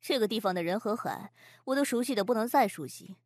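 A woman's voice: fairly high pitch, expressive, quick pace, a little mellow, slightly rough, no echo, clean studio sound. A woman playing a bad-tempered, domineering young rich woman in a wheelchair, in an audiobook drama. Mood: scornful. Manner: domineering, scornful, commanding.

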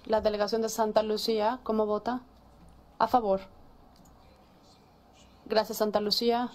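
A woman gives formal simultaneous interpretation in a mid-pitched voice. Her delivery is very even and neutral, with a businesslike manner suited to official procedure. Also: moderate pace.

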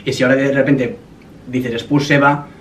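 A man's voice: medium pitch, little pitch movement, normal speed, fairly bright tone. A man in his twenties with an accent from Spain, explaining himself in casual, serious conversation and repeating phrases. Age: 20s. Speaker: YouTuber making a prank call. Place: indoor gaming room at a desk. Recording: slightly distant mic, faint noise.

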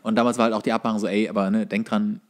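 A man's voice: lowish voice, flat delivery, very fast. A man co-hosting a podcast, telling anecdotes casually, often repeating and correcting himself as he goes. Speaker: podcast co-host. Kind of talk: casual chat, bar anecdotes.

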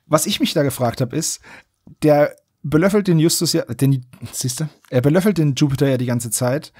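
A man's voice: fairly high pitch, normal speed, darkish tone, breathy edge, no room sound, studio quality. A man hosting a podcast, chatting casually. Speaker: podcast host.

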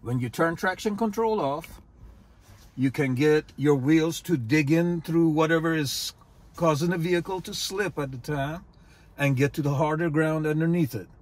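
A man's voice: on the high side, normal speed. Older man explaining cars, methodical. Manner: plain, methodical explaining with small slips. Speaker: master diagnostic technician. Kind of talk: explaining car features to camera. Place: outdoors in a dealership parking lot, then inside a car.

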